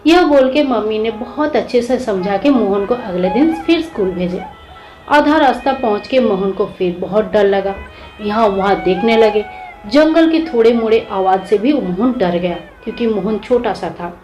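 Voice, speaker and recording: A woman's voice: medium pitch, animated, normal speed, darkish tone, soft background music, rough recording. A woman telling a devotional story in a simple, homely way.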